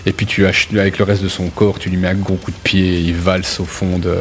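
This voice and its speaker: Over background music, a man acts as game master of a tabletop role-playing game, narrating casually with evident relish for gore. His low voice is brisk and barely shifts in pitch, and there's a little hiss or hum.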